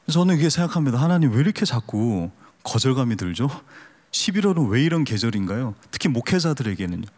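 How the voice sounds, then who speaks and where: A man's voice: medium pitch, sing-song, quick pace, a little mellow. A man pastor preaching a sermon with humor, questioning the congregation and asking them to raise their hands. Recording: long hall reverb.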